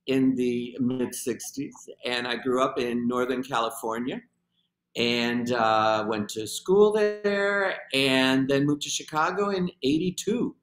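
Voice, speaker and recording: A man's voice: mid-range voice, slow pace, a bit bright. Reflective older man, echoey room. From Argentina. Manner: reflective, hesitant with many fillers. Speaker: guest, film teacher. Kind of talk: interview answers. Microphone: webcam on video call.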